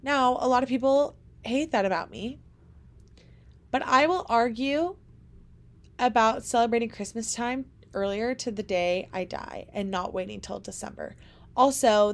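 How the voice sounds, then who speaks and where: A chatty young woman with a fairly high voice talks straight to her listeners in a relaxed podcast monologue. She is animated, asks rhetorical questions and fills her sentences with "like.". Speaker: podcast host.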